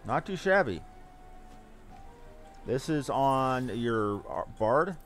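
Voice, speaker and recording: A man's voice: medium pitch, expressive, slow pace, a bit bright. A man giving casual, rambling gameplay commentary as a streamer, thinking aloud as he goes. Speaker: game streamer. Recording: game music behind voice. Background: video game music.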